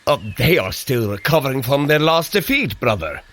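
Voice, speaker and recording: An actor playing a hearty, earnest, protective warrior god in a scripted audio drama, with a husky voice and formal archaic diction. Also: male voice, sing-song, moderate pace, fairly bright tone. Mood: wary. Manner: formal archaic diction, booming when rallying.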